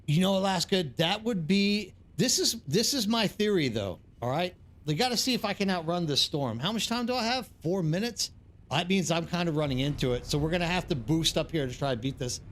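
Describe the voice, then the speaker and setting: A man's voice: sits high, animated, a little fast, a bit bright. A man from East Texas with an American accent, chatting casually and ramblingly with viewers as he streams a game. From East Texas, United States. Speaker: live streamer. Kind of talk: casual chat with livestream viewers while gaming.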